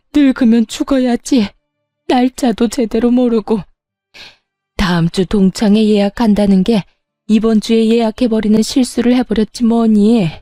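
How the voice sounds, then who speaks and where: A woman's voice: mid-range voice, warm tone, no room sound, studio quality, natural voice. A woman voicing a scheming, spiteful middle-aged mother-in-law in a narrated story, speaking in a gloating, theatrical manner. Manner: gloating, then fake wailing.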